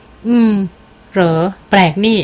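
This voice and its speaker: A woman's voice: takes it slowly, a little mellow, natural voice. Young male officer, polite and eager, read by a woman narrator.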